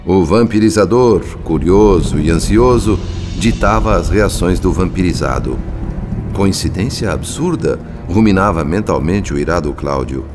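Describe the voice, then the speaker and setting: Grave spirit narrator, Brazilian accent, deep voice, animated delivery, solemn, literary, radio drama. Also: male voice, normal speed, over music. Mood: grave, dramatic.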